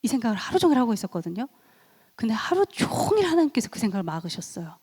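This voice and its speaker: A middle-aged woman gives a church family seminar and tells her stories in a lively way. She acts out the people she quotes and laughs often. Her voice sits a little high, and a long echo from a large church hall trails each phrase. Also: fast talker, slightly rough. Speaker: seminar speaker and counselor.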